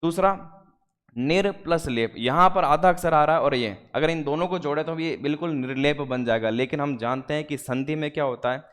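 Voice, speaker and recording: Male teacher, fairly high voice, methodical exam-prep explainer, slight hall reverb. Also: a bit bright, clear, resonant tone. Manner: explains step by step, slows to spell out word parts.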